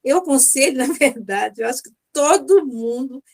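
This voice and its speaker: A woman's voice: high voice, lively intonation, normal speed. A Brazilian woman in her fifties giving a chatty personal testimonial as a mentoring client, often acting out little dialogues. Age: 50s. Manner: chatty, acts out dialogues, frequent tag questions.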